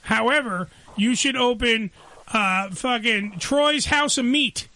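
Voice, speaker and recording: A man with a New York accent hosting a casual chat, brash and profane, joking loudly. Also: very high voice, takes it slowly. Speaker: host.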